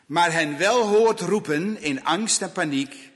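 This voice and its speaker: A man preaching a sermon, emphatic and repetitive, with long dramatic pauses between words. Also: high voice, fairly bright tone, big-room sound.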